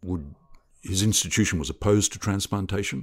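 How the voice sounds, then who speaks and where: The recording is very clean, and the background is silent. A man talks in a New Zealand accent. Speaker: liver transplant surgeon. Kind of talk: interview. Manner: halting.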